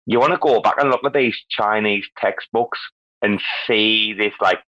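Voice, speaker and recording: A man hosts a loose group chat with a bright, sharp tone that cuts through. He rambles excitedly from point to point. The line sounds dull and lo-fi. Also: on the low side, moderate pace. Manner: rambling, excitable, swears casually. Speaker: host of a live audio chat room. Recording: muffled lo-fi line.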